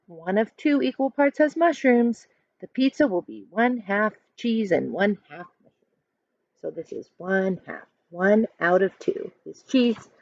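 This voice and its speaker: A woman in her thirties reading a children's book aloud like a teacher, expressive and instructive, pausing to explain. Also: medium pitch, dry recording. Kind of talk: read-aloud storytelling with explanations. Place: small furnished room indoors at home. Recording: dull lo-fi webcam sound.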